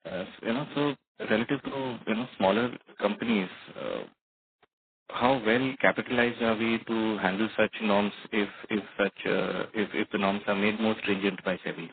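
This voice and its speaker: A man's voice: fairly low pitch, fairly even intonation, moderate pace. A man, an individual investor asking questions on an earnings call, polite and hesitant. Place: phone call. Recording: noisy, narrow phone line.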